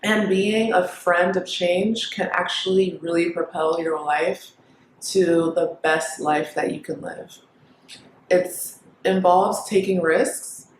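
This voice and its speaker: A woman's voice: on the low side, fairly even intonation, a little hiss or hum. Reflective young woman vlogger in echoey room. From Kenya. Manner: reflective, thinking aloud with many pauses and fillers. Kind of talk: casual talk to camera.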